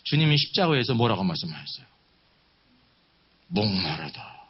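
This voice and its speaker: A man's voice: lowish voice, sing-song, moderate pace, a little hiss or hum. A man preaching at a Bible seminar, teaching emphatically with rhetorical questions and repeated key phrases. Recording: dull, muffled lo-fi sound.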